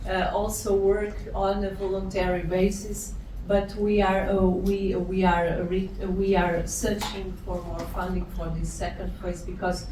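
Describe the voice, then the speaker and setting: A Portuguese woman with an accent gives a slow, halting academic talk in English, her first language being Portuguese. She pauses often with fillers and restarts. She sounds far from the mic in a very echoey conference hall with clear background noise. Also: mid-range voice, little pitch movement, warm tone. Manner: hesitant, many fillers and restarts. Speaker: conference presenter.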